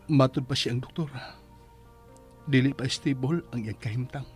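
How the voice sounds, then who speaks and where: A man's voice: mid-range voice, close to an everyday voice. A Bisaya Filipino man playing an anguished priest who prays with pleading, reverent emotion in a radio drama. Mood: anxious, prayerful. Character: anguished priest praying for his sick mother. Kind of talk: Bisaya radio drama acting, prayer monologue.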